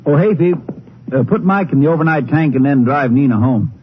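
An American actor playing a practical, plain-spoken small-town Texas sheriff in a radio drama. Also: male voice, on the high side, animated, a little fast, close to an everyday voice. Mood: matter-of-fact. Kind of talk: old-time radio drama acting. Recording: tinny, noisy 1950s radio recording.

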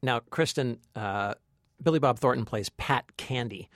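A man co-hosting a film review podcast as a critic, chatting casually and haltingly as he searches for phrasing. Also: mid-range voice, over music. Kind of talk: casual movie review chat.

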